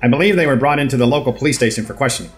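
An actor playing a cynical, foul-mouthed, self-important corporate boss in an audio drama, sarcastic and blustering. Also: male voice, mid-range voice, racing, faint music behind, close to an everyday voice. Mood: flustered. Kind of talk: audio drama monologue and phone dialogue.

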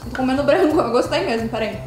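A woman's voice: high voice, lively intonation, quick pace, a little mellow. A young woman chatting casually as a video host, chewing while she talks and reacting to each taste. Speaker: YouTuber host. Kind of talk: casual taste-test chat. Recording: echoey room with music behind.

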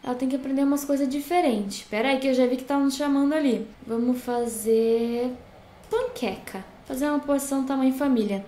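Brief: high-pitched Brazilian woman, gushing gameplay commentary, echoey room with faint hiss. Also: brisk, mellow. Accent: Brazilian Portuguese. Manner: chatty, gushing, talks to viewers. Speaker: gaming YouTuber. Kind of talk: casual let's-play commentary.

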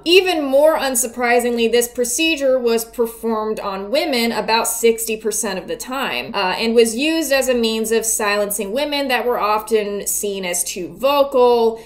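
A woman in her twenties giving casual, wry and sardonic video commentary, with some casual swearing. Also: fairly high pitch. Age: 20s. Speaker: YouTube video essayist. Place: small indoor room before a green screen. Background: background music.

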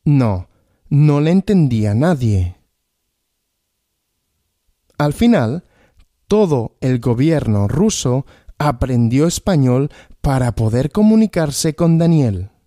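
Male language-podcast host, slow question-and-answer teaching, animated pitch, dry studio sound. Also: no room sound. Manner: asks questions and answers them himself, repeating.

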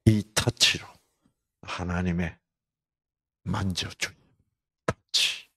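Slow, deliberate man giving a Bible lecture. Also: sits low, fairly even intonation, a bit bright. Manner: slow and deliberate, poses rhetorical questions; addresses listeners by name. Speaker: Bible lecturer at a health program.

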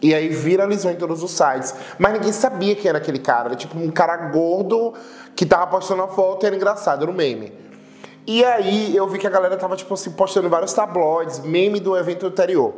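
A high, quick voice belongs to this Salvador-born internet personality in his twenties, whose Bahian Portuguese accent is strong. Guesting on a casual interview, he tells lively stories with plenty of hand gestures. The recording comes from an indoor studio room with a sofa and has an echo.

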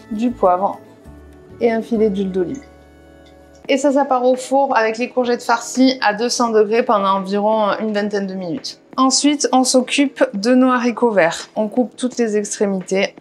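A woman walking through a recipe step by step in a casual cooking voice-over, with practical asides. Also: on the high side. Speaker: cooking vlogger. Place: home kitchen.

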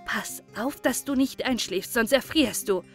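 A woman's voice: fairly high pitch, a little slow, soft background music. A woman playing a cheeky, bossy street boy. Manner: scolding, self-important.

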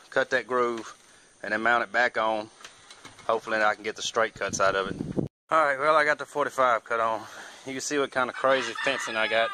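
A man's voice: mid-range voice, sharp tone. A man, casually narrating his own woodworking project in a plainspoken, self-deprecating, rambling way. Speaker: hobby welder and woodworker. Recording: noisy outdoor recording with air conditioning and traffic hum.

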